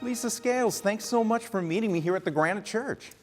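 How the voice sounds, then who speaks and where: A man's voice: high-pitched, brisk, soft background music. A man hosting a conversational on-location interview, speaking in an informal, enthusiastic way. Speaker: host interviewer.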